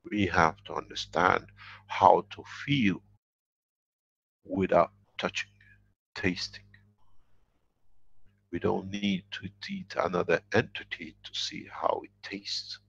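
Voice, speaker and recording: Lecturing man, very deep gravelly voice, husky, emphatic and repetitive, dull lo-fi recording. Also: a bit bright. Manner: emphatic, repeats key phrases. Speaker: workshop lecturer. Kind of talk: spoken workshop lecture.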